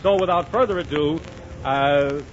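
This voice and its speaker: A man hosting a 1930s radio comedy show, with brisk, wisecracking emcee patter. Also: fairly high pitch, highs cut off. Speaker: host. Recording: scratchy 1930s radio broadcast with hiss.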